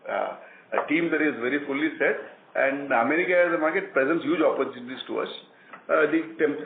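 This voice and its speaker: A man answering questions as a company executive on an earnings call, explaining in halting, repetitive phrases. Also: medium pitch. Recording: tinny phone line, roomy echo, faint noise.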